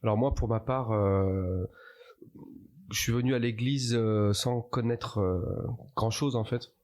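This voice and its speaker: A man's voice: on the low side, steady tone, a little slow, a little mellow. A man speaking as a podcast guest, sharing personal testimony, hesitant and often repeating himself as he searches for words. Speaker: podcast guest, church member.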